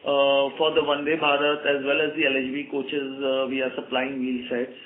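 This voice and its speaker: A man's voice: medium pitch, monotone, normal speed. Indian man on an echoey phone line. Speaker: company executive. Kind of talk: earnings call answers to analysts. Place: conference call by phone. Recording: roomy echo, narrow phone line.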